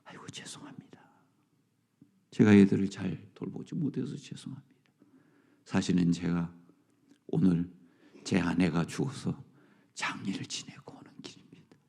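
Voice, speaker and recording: A man playing a grieving father who apologizes in a hushed, halting, near-whispered voice. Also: low voice, vocal fry, breathy edge, voice pushed down, exaggerated voice. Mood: sorrowful, apologetic.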